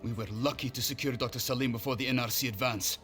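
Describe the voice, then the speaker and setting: An actor playing a weary, courteous male army lieutenant who speaks in a formal, measured way. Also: medium pitch, steady tone, fairly bright tone, faint music behind, lightly acted. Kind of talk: video game cutscene acting.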